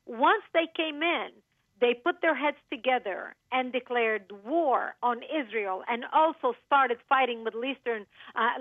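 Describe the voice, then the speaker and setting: Woman, from Lebanon, high voice, emphatic guest on a tinny phone line. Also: no echo. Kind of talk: radio interview. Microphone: telephone.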